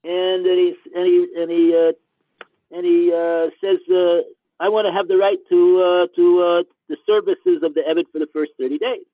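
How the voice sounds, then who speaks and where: A rabbi teaching a Talmud class over the phone, halting with many fillers, his voice breaking up on a choppy line. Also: high voice, flat delivery, no room sound. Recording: tinny dry phone line.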